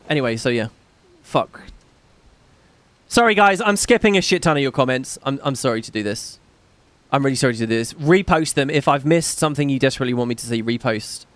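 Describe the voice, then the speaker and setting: A man's voice: mid-range voice, a bit bright. A man hosting a gaming livestream, rambling casually and swearing while he reads out viewer comments. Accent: slight British. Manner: rambling, profane, self-deprecating. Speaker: gaming streamer host. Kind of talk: casual livestream chat reading donations.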